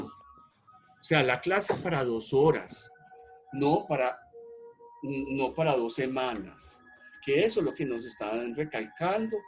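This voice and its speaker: A man teaching an online grammar class, stressing key words, repeating himself and checking that the students follow. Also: medium pitch.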